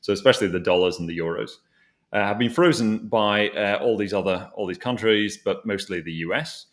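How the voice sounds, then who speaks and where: Man, fairly low voice, financial show host, conversational, explanatory, rewords as he goes. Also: brisk. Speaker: host asking a co-presenter for his thoughts. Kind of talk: conversational financial news discussion.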